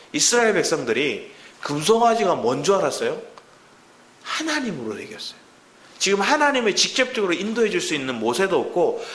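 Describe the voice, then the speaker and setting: A man preaching a Sunday sermon as pastor, animated, acting out the voices he quotes. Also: high-pitched. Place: church sanctuary. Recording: echoey church hall.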